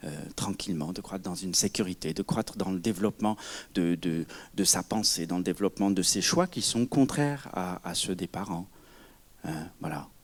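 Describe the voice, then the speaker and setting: Moderate pace and ordinary pitch variation. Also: man, very deep, low pitch for a man. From Spain. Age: 40s. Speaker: psychologist. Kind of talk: lecture. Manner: halting, many repetitions and fillers.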